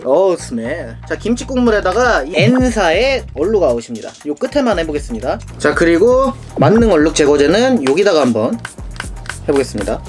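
Young man, casual hands-on reviewer, lively melodic delivery, thinks aloud, music underneath. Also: on the high side, moderate pace. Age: young adult. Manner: animated, conversational, thinking aloud while working. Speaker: product review host. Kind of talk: casual hands-on product testing commentary. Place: small room indoors, seated at a table.

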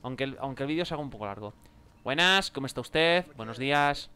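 A man's voice: medium pitch, animated, quick pace, bright, forceful tone, clean tone. A young man with a Spain Spanish accent commenting his gameplay, exclaiming and joking, improvising mock chatter with game characters. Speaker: gameplay video creator.

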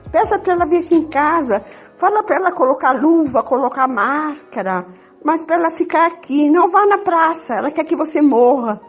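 An older woman playing a pleading, jealous, melodramatic wife in an amateur radio soap opera, with a husky voice. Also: high-pitched. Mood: insistent. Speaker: amateur participant in a radio play. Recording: dull lo-fi audio with music.

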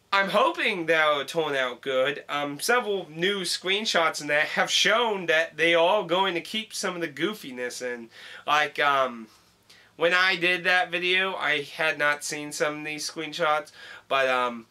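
A man's voice: fairly high pitch, pushed and bright. A young man talking casually about games he collected, rambling with many fillers and restarts, at home. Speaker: video game collector vlogger. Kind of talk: casual unboxing vlog. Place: home room with wall shelf.

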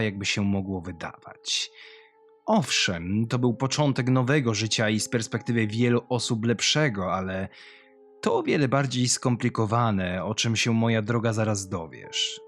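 A man's voice: medium pitch, expressive, moderate pace, faint music behind, close to an everyday voice. Man voicing a taunting female killer in horror audio. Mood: bitter, reflective. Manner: taunting, confiding storyteller. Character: sadistic, mocking female killer recounting her grim childhood.

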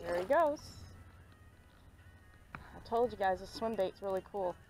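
A young woman chatting excitedly while fishing at a pond, filmed on a head-mounted action camera. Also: medium pitch, unhurried, faint music behind. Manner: excited, chatty, laughs often. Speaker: fishing vlogger. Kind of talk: casual commentary while fishing. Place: outdoors at a pond bank.

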